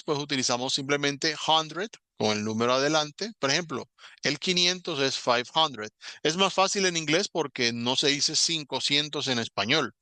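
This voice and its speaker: A man teaching an online English class, patiently explaining step by step and saying English words slowly as examples. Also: mid-range voice, bright, forceful tone, smooth, dry recording.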